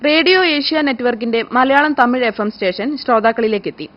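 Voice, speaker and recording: Fast-talking woman reading news. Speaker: news reader. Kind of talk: scripted news narration. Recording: muffled, low-fidelity broadcast audio.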